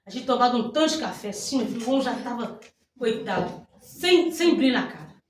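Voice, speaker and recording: High-voiced Brazilian woman pastor preaching. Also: fairly quick, slight background noise. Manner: animated storytelling with loud praise exclamations. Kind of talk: testimony preaching. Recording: very echoey hall from far off.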